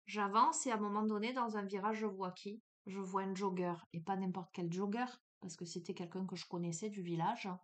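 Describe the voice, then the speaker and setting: A woman's voice: mid-range voice, a little fast, hardly any pauses. Chatty woman telling a personal story. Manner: chatty, animated, many fillers, addresses listener as tu. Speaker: spiritual guidance host.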